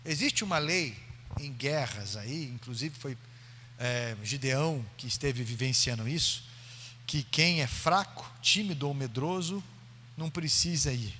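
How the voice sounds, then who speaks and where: A man's voice: mid-range voice, a little slow, pushed and bright, a little hiss or hum. A Brazilian man preaching a sermon in church, telling a story with dramatic acted-out voices. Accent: Brazilian Portuguese. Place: church sanctuary. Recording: long church hall reverb.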